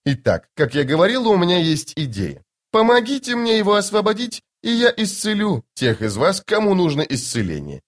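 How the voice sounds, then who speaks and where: A woman's voice: lowish voice, huge pitch swings, normal speed, pitched above the performer's own voice. A man voicing a vain, cheerful woman in white who chatters sweetly and admires herself, in an audiobook. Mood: airy, chatty. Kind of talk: audiobook character voice.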